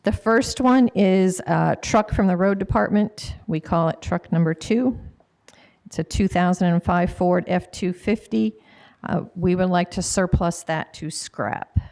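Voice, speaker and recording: A woman's voice: fairly low pitch, a little slow, a little mellow. An American woman, a county staff member, presenting items informally at a government meeting and correcting herself as she goes. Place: local government meeting room.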